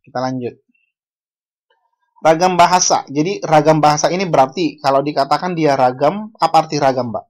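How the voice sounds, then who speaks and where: A slightly mellow, medium-pitched voice belongs to a university lecturer from Bali running an online language lecture by video call. The pace is unhurried, and they keep asking the class questions and correcting themselves mid-stream.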